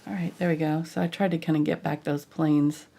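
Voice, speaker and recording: A woman with a low, husky voice, congested from a cold, guides a live painting tutorial. Her delivery is casual and murmured, trailing off as she works, with a gravelly creak. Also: little pitch movement, fairly quick, warm tone. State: sick with a cold, sniffly, audible breathing. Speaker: painting instructor, live show host.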